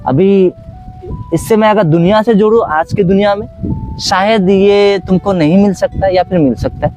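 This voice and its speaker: A man's voice: high-pitched, warm tone, low-quality recording. A man who teaches dance, talking philosophically in an outdoor conversation and acting out little scenes in other voices. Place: outdoors under a tree.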